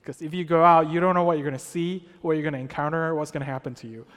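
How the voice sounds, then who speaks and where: A man's voice: on the high side, fairly even intonation, fast talker, a bit bright. A young man from Malaysia preaching in a church in a casual, conversational way, checking in with the congregation often. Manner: conversational, with many fillers and check-ins. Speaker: pastor. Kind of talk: sermon. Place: church sanctuary. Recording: long hall reverb.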